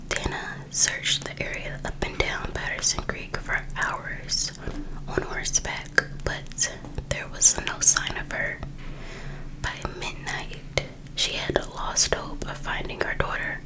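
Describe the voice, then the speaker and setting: A woman softly whispering an ASMR reading as host, in a hushed, unhurried storytelling manner. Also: low-quality recording. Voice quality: soft unvoiced whisper. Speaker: ASMR host reading a true crime book.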